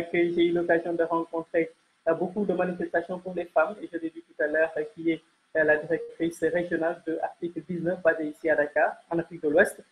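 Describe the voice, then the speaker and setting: A woman's voice: on the low side, low-quality recording. A woman presenting a panel interview as host, speaking in a formal, courteous way. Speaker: host and journalist.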